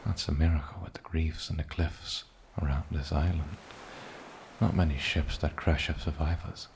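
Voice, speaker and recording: A man playing an eccentric, lonely, ancient island demon in a soft-spoken fantasy ASMR roleplay, with a gravelly low voice and musing, polite pauses. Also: steady tone, a little hiss or hum. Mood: musing, curious.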